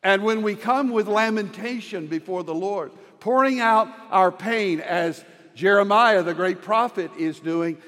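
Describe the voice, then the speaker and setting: An older man, a pastor of many decades, giving a slow, earnest devotional sermon with emphatic repeated words. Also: sits high, fairly bright tone, long reverb tail.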